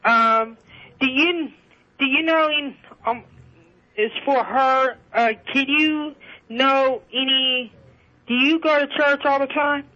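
A man calling in to a radio show over the phone, talking in a halting, rambling way full of restarts and fillers. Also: very high voice, steady tone, pushed and bright. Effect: caller heard over a phone line. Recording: dull lo-fi phone line.

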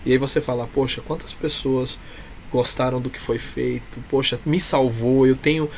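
A man's voice: mid-range voice, fairly even intonation, normal speed, creaky, darkish tone. A man with a Brazilian Portuguese accent speaking earnestly and emphatically as an interview guest, in a heartfelt, encouraging way. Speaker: interview guest, clown performer from a humour troupe. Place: small room with a curtain backdrop. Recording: noisy webcam call audio.

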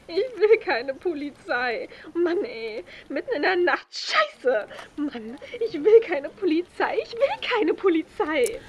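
A woman's voice: very high-pitched, sing-song, slow pace, few pauses, heavily acted. An actress playing a distraught woman caller who is locked out at night, whiny and tearful, repeating herself.

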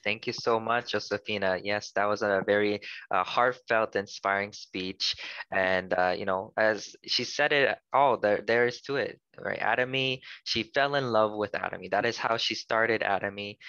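A man's voice: on the low side, pushed and bright, clear, resonant tone, dry recording. A young man hosting an online seminar in an upbeat presenting style over a headset on a video call, with slightly dull audio. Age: young adult. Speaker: seminar host.

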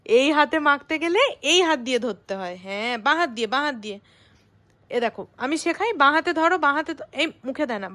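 Woman vlogger, high voice, casual family chat with a toddler. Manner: talks sweetly to a small child, coaxing and playful.

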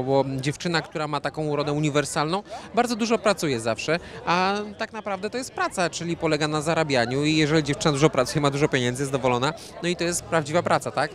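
A man in his thirties talks at an outdoor evening gala, holding a handheld reporter mic. His voice sits a bit high for a man. He rambles easily, repeats words and leans on fillers. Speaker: interview guest, fashion designer. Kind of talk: red-carpet interview.

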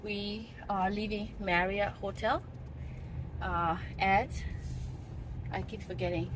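A woman's voice: medium pitch, fairly even intonation, slow pace. A woman casually narrating a family travel vlog, chatty and pointing things out as she films on her phone. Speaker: family vlogger. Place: in a car, outdoors and in a restaurant. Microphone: phone camera at arm's length. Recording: loud background noise.

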